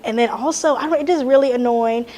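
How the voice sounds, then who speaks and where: A woman's voice: on the high side, fast, warm tone. A young adult woman chatting casually in an interview as a college student.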